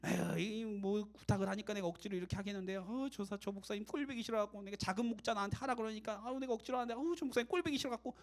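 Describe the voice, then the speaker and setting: A man's voice: high-pitched, very fast, few pauses. A man acting out a reluctant churchgoer who mutters and sighs complaints while serving. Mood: grumbling. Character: grumbling reluctant churchgoer, adult.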